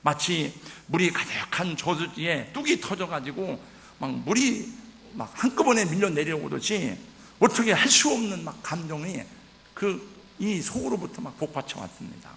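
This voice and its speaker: 목소리가 거칠고 억양이 풍부한 나이 든 남자 목사. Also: male voice, on the high side, vocal fry, fairly bright tone. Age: older. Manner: vivid, emotional storytelling with many interjections. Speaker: pastor. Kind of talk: sermon. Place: church sanctuary. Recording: church hall reverb.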